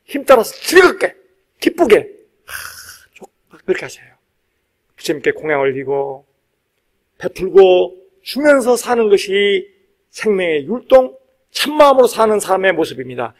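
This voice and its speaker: A man, a Buddhist monk, preaching to a congregation in an emphatic, exhortative way, repeating key phrases and pausing for weight. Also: high-pitched, big pitch swings. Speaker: Buddhist monk giving a dharma talk. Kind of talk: sermon to a live congregation.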